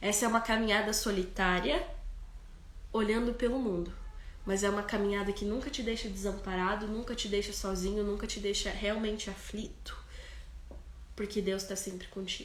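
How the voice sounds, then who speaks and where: Moderate pace with long, frequent pauses and fairly even intonation, plus audible room echo and noticeable background noise. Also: woman, medium pitch for a woman. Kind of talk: sermon. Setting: livestream.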